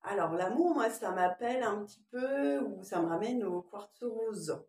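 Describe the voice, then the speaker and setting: A woman's voice: medium pitch, lively intonation, a little slow, a little mellow, echoey room. A woman with a lingering cough giving an informal spiritual card reading, moving between read-out passages and hesitant, musing asides. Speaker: oracle card reader.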